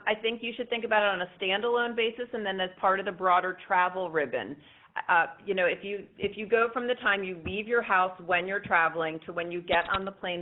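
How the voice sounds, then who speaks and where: A woman speaking as a company executive, answering questions on an earnings call in emphatic corporate phrasing. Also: mid-range voice. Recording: tinny phone-line conference call.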